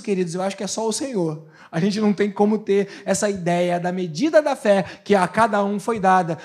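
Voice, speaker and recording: Male pastor, high voice, sermon delivery, dramatic loud-soft contrasts. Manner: dramatic swings between loud preaching and hushed asides.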